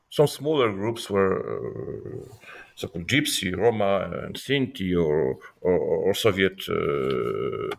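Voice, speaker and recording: Male historian interviewee, Polish-accented English, deep-set creaky voice, halting academic delivery. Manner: halting, searching for words, non-native English. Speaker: historian and author being interviewed. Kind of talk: scholarly interview answers.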